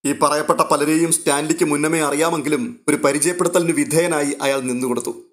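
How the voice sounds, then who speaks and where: A male storyteller with a somewhat high voice reading a serial novel aloud. He narrates steadily and evenly, scene by scene.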